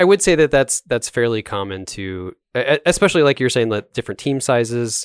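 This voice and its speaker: In a plain, everyday voice with lively intonation, the speaker is heard in a dry, close sound with no echo against a quiet background. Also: man. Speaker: game designer and programmer. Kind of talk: casual chat. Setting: studio.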